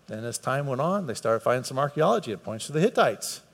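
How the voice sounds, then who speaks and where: An American man preaches a conversational sermon to a live congregation in a church hall, speaking at a medium pitch with a quick, sing-song pace. He is earnest, repeats words for emphasis, and his voice climbs whenever he stresses a point. The recording carries a long hall reverb.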